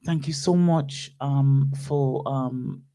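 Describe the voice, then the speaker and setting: A man's voice: medium pitch, steady tone, takes it slowly, dark tone. A man hosting a radio show, signing off in a laid-back patter with speech and plenty of fillers. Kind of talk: casual radio sign-off.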